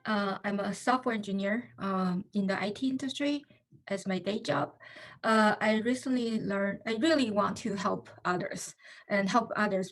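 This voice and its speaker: A woman's voice: mid-range voice, gravelly. A woman from China with a Chinese accent, speaking English as a second language, giving an earnest testimonial with frequent fillers. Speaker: coaching student. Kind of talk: recorded testimonial.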